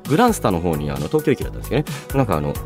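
A man hosting a radio show, chatting and reading listener mail in a polite, expressive manner. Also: on the low side, very fast. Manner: polite, expressive, often breaking into laughter. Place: radio studio. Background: background music.

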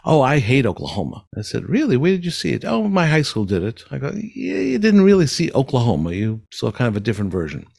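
A man's voice: medium pitch, huge pitch swings, quick pace, gravelly, hardly any pauses, darkish tone, no echo, studio quality. An older man with a nasal voice, a musical director who tells stories with enthusiasm and reflection in an interview. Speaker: musical director and speech therapist. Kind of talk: interview answers.

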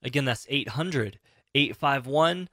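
A man's voice: mid-range voice, lively intonation, measured pace, no echo, studio quality. A man reading a scripted infomercial advert for radio, addressing the listener. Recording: loud guitar music bed. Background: prominent guitar music.

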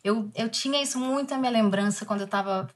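A Brazilian woman in her forties, an actress speaking in an interview and recalling a painful family memory in a reflective, soft manner. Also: fairly high pitch, fast. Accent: Brazilian Portuguese. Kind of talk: emotional interview talk.

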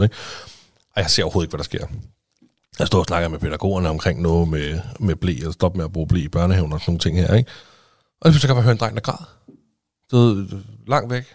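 Male podcast co-host, low register, dry close sound, animated anecdote teller. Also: dry recording. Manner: animated storytelling, swearing, acting out dialogue. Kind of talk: casual chat.

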